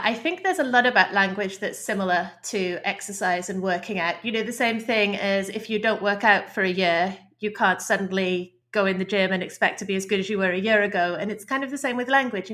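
A woman's voice: medium pitch, a bit bright. A woman, a podcast guest explaining her ideas in a thoughtful, chatty way, often restarting phrases. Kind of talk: podcast interview.

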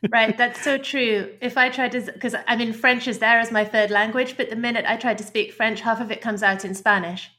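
A woman's voice: on the high side, fairly even intonation, brisk, few pauses, sharp tone. A woman, a podcast guest explaining her ideas in a thoughtful, chatty way, often restarting phrases. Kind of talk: podcast interview.

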